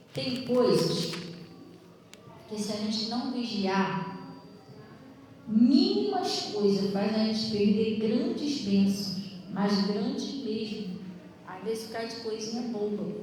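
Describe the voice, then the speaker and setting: A soft-spoken woman at a very slow pace, fairly high in pitch with ordinary pitch variation, long, frequent pauses, big swings in loudness, audible room echo and noticeable background noise. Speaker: pastor. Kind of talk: sermon. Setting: church.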